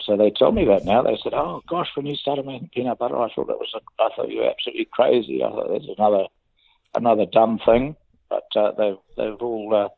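A man in his sixties with a New Zealand accent, telling his life story as an interview guest in a plain, unhurried way. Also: lowish voice, creaky, no echo. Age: 60s. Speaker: interview guest, business founder. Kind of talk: conversational interview. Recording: dry, phone-like remote line.

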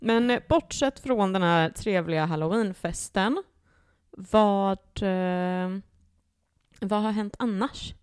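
A woman's voice: medium pitch, a little mellow, clear, resonant tone, no room sound, clean studio sound. A young woman co-hosting a casual podcast, laughing easily and asking her friend questions. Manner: laughs easily, short reactions. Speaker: podcast co-host. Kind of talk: casual chat.

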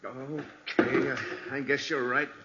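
A man's voice: mid-range voice, level tone, slow pace, vocal fry. An actor in 1940s radio style playing a nervous, whining male accomplice who hesitates anxiously. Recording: muffled, very noisy old radio recording.

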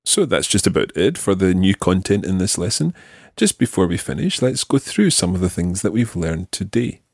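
A man hosting a podcast language lesson, modelling phrases slowly and clearly for a learner. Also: low-pitched, sing-song, a little mellow, dry recording, studio quality. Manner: slow, clear teaching delivery with drawn-out model phrases. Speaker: language teacher and podcast host.

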